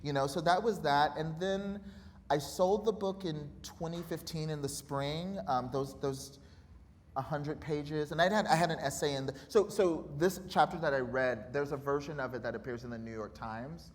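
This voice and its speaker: Animated, candid man in a reverberant hall. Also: a little high, normal speed. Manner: animated, candid, laughs often, acts out remembered dialogue. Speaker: author guest. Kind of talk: live conversational interview. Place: college auditorium. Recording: reverberant hall with faint noise.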